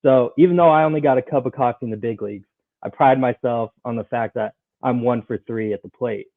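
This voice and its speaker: A man's voice: medium pitch, a little fast, vocal fry, no room sound. Co-host guy sounding like a phone call, dry thin audio, jokey. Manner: jokey, humble-bragging storyteller. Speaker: podcast co-host, former player. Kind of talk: casual podcast chat.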